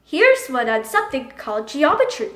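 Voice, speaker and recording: A woman reading a children's picture book aloud in an expressive, emphatic storytelling manner. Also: sits high, normal speed, echoey room. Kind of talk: animated picture book read-aloud in character.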